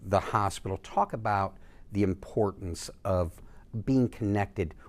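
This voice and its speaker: A man hosts a studio interview show with a very low, deep voice. He asks his questions casually, often stumbling over "uh"s and restarts. His tone is loose and conversational. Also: a little slow, darkish tone.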